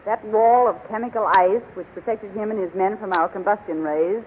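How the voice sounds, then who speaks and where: A woman's voice: mid-range voice, normal speed, close to an everyday voice. A muffled, noisy 1930s radio recording of a woman playing a scheming witch queen. She commands grandly, then coos seductively, in theatrical serial style. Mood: commanding.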